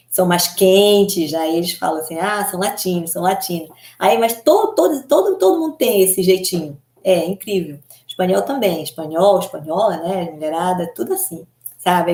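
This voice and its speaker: A woman's voice: fairly low pitch, darkish tone. Chatty, giggly woman, echoey room. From Belém do Pará, Brazil. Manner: chatty and giggly, constant tag questions. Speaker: hair coloring specialist. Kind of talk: casual live chat answering viewers.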